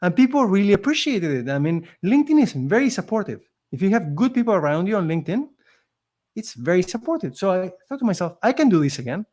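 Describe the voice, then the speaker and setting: High and sing-song, a little mellow, his voice moves fast. He is an immigrant in Canada with a non-native English accent, appearing as a podcast guest and telling his story conversationally in an earnest, emphatic, motivational way.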